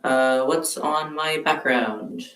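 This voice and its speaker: A man streaming a relaxed crafting session from home, chatting with viewers in a halting way while he works. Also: fairly high pitch, distant mic. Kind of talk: casual crafting livestream chat. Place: room at home, quilt behind. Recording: roomy sound from off-mic.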